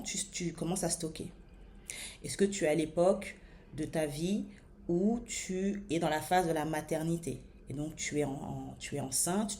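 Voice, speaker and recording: A woman in her thirties with a French accent, coaching her listeners on body image in a slow, deliberate talk with frequent hesitations. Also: sits low, a little mellow, slight background noise. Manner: many hesitations and fillers. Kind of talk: motivational talk to camera.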